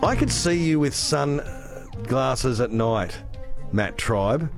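An Australian man presenting talkback radio in a studio, with a gravelly voice and a dry, teasing manner. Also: mid-range voice, lively intonation, slow pace, music in the background. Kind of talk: casual talkback radio chat.

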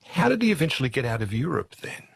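A man's voice: mid-range voice, big pitch swings, fast, vocal fry, husky. A man hosting an interview, asking questions with engaged reactions and exclamations. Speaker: interviewer host. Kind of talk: radio interview.

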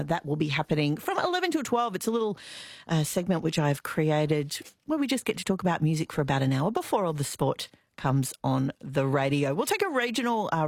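A woman's voice: low voice, creaky, dry recording, clean studio sound. Chatty middle-aged Australian woman radio host. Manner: chatty, relaxed, with frequent "uh" fillers. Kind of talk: live radio talk. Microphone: studio microphone.

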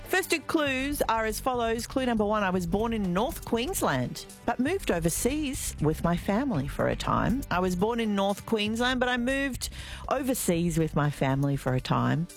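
A woman's voice: medium pitch, moderate pace, soft background music. A woman hosting a live radio show, chatty and informal, reading quiz clues and introducing stories. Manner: chatty, lively, informal asides. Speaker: radio presenter. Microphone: studio microphone.

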